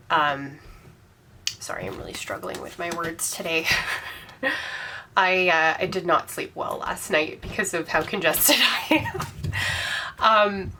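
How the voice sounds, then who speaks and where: Brief: woman host in her 30s, congested from a cold, low and bright voice, chatty, lots of ums. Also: a little hiss or hum. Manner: chatty and enthusiastic, with frequent ums. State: congested from a cold, slightly sore throat. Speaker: tarot channel host. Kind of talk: casual monthly wrap-up vlog.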